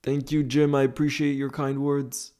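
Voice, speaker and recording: A man's voice: medium pitch, level tone, normal speed, dark tone, clear, resonant tone. A man hosting a casual football livestream, reading out viewer comments and answering them informally, often repeating phrases for emphasis. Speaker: livestream host, football fan streamer.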